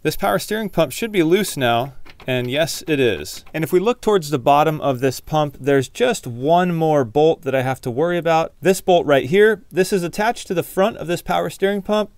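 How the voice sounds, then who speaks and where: While working with his hands, a man hosts a DIY car repair video, narrating each step plainly as a hands-on tutorial. His voice is slightly high and a bit mellow.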